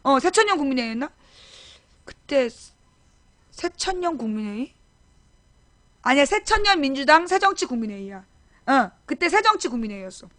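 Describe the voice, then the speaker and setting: A middle-aged woman with a high, bright voice holds forth in a casual live-stream chat. She rambles, corrects herself mid-sentence, and speaks straight to her viewers. The close mic sounds dry, with no room around it. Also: no room sound. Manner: rambling, self-correcting, talks directly to viewers. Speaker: political talk show host.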